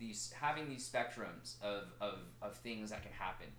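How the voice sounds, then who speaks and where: This man has a fairly low pitch and ordinary pitch variation, with noticeable background noise around him. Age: 20s. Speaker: podcast host. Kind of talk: casual chat.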